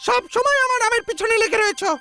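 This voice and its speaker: A woman's voice: extremely high pitch, fast. A woman voicing a furious, threatening scold in a children's cartoon. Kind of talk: cartoon voice acting. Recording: loud music behind the voice. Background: loud cartoon music.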